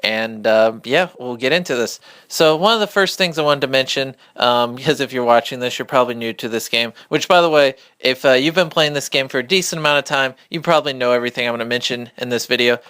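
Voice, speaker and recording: A man giving a casual, off-the-cuff game tutorial, speaking quietly but clearly, close to a phone mic. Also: medium pitch, fast, few pauses, dry recording. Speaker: gamer hosting a beginner's tutorial. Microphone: phone held a couple of inches from the mouth.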